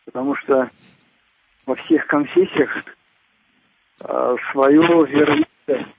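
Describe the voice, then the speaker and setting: A man calling in to a radio show over a phone line with glitching, breaking-up audio. He speaks in halting, hesitant phrases. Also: mid-range voice, big pitch swings, vocal fry, slight background noise. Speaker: radio caller. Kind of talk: phone-in question. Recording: muffled, lo-fi phone line from a distance.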